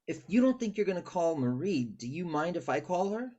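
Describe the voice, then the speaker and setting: A woman acting as a breezy, smitten best friend in a romantic comedy read. The voice is low and rough, with animated intonation. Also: fairly quick, muffled recording. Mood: eager, casual.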